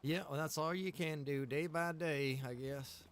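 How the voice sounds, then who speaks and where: A man's voice: on the high side, measured pace, a little hiss or hum. A man streaming a survival game, chatting casually and rambling to his viewers while he plays. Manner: relaxed, rambling, greets chat viewers by name.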